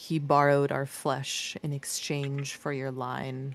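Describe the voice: A guttural, put-on character voice at a low-to-middle pitch moves at a fairly slow pace.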